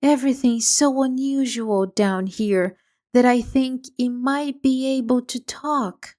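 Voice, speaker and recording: A woman's voice: fairly high pitch, measured pace, darkish tone, natural voice. A woman doing a polite, curious young girl.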